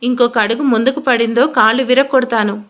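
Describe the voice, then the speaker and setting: Lady narrator doing a bossy older auntie, firm and scolding, kinda high pitched. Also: steady tone, brisk, a bit bright, close to an everyday voice. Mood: angry scolding. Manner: scolding then soothing. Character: stern elderly aunt, household matriarch.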